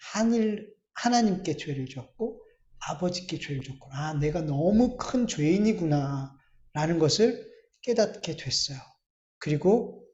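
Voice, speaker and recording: A male pastor preaching a sermon in a church, emphatic, with drawn-out pauses and rising bursts. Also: a little high, a little mellow. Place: church sanctuary. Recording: echoey church hall, slightly dull sound.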